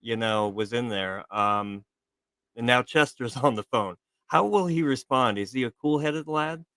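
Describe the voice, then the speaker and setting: A man with a bright, forward voice hosts a casual live show. He commentates playfully and poses multiple-choice questions in a joking way. The sound is dry and close, with very little room. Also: mid-range voice, unhurried, no room sound. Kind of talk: casual quiz-style commentary on video.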